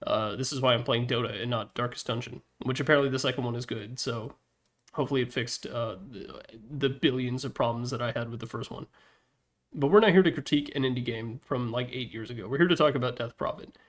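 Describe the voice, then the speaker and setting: A man's voice: medium pitch, quick pace. A man presenting a ranking video with casual, opinionated commentary, informal and mildly profane, with wry asides. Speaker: presenter of a tier list slideshow video.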